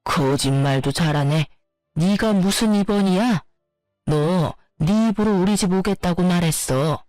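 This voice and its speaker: A woman's voice: fairly low pitch, a little slow, darkish tone, dry recording, soft background music, close to an everyday voice. A woman voicing a domineering older mother-in-law who berates and insults her daughter-in-law in a story narration. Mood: berating.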